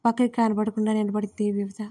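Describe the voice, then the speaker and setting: A woman narrating a romantic audio story in a steady, expressive reading style, close to the mic. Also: medium pitch, fast talker.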